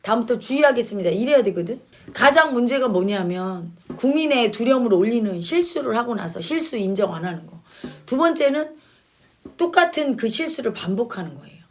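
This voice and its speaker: A woman's voice: a little high, expressive, normal speed, slight background noise. A woman commentator giving blunt opinions, stressing her points by repeating key words and mixing casual and polite speech. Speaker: commentator answering questions.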